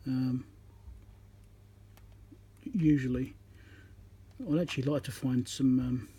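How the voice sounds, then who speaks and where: A man giving casual hands-on commentary as he works, halting and half talking to himself while he concentrates, recorded on a phone at an indoor workbench. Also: mid-range voice, little pitch movement, dark tone, slightly rough. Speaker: electronics repairer, channel host. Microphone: phone on a tripod above the work. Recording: noisy room recording on a phone.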